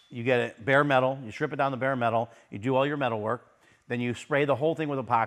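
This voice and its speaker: Pitch varies in an ordinary way as a man talks very fast at a medium pitch. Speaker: auto body shop owner. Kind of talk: tutorial. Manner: casual, conversational.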